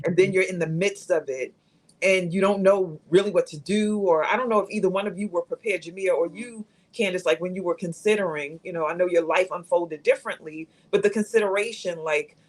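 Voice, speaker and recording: A woman in her fifties speaks candidly as a guest on a live talk show, reflective and thoughtful. Her voice is lowish and her pace brisk.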